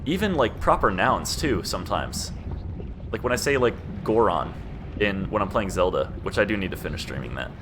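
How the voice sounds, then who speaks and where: A young man with a fairly low voice talks through his game in a flat, laid-back monotone, as if chatting to himself. He speaks into a desk mic. A faint background ambience hangs behind him. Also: normal speed, background noise. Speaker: game streamer. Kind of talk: casual gameplay commentary.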